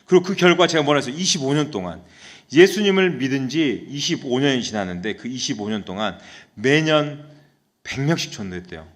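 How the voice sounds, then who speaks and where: A man's voice: medium pitch, animated, a little fast. A man, a senior pastor, preaching a sermon in a church service, telling a story and often putting questions to the congregation. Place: church sanctuary during a live service.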